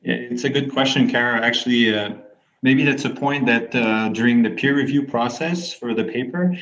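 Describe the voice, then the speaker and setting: A man's voice: mid-range voice, moderate pace, fairly bright tone. A man, a physiotherapist and researcher, explaining his ideas fluently and evenly as a guest in a podcast interview. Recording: dull lo-fi audio.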